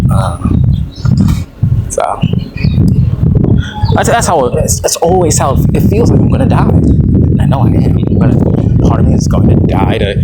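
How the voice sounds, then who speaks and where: A young adult man giving a casual, rambling audio diary, hesitantly repeating words and trailing off, with a dry, self-deprecating manner. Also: mid-range voice. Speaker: vlogger recording an audio log. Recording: very noisy audio with clicks.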